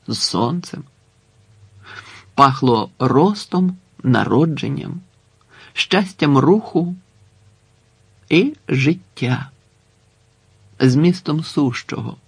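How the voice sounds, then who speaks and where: A man's voice: a little high, creaky, husky, dry recording, heavily acted. A man voicing a prisoner storyteller who speaks confidingly and wistfully to his listeners. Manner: confiding, wistful direct address.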